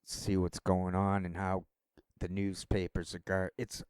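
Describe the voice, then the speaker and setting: A man's voice: low-pitched, completely flat delivery, unhurried, a little mellow, clear, resonant tone, dry recording, clean studio sound. A man rambling through a casual solo monologue as a vlogger, wandering from thought to thought. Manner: rambling, meandering talk.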